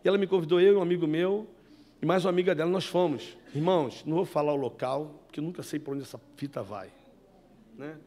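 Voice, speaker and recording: High-voiced preacher man. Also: fast talker. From Brazil, Rio de Janeiro. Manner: animated, storytelling, addresses listeners as brothers. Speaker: evangelist giving testimony. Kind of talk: sermon testimony. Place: indoor meeting room.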